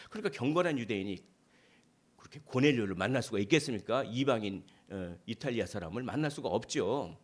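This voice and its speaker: A male pastor delivering a sermon, asking rhetorical questions and explaining scripture. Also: medium pitch. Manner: animated preaching with rhetorical questions. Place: church sanctuary.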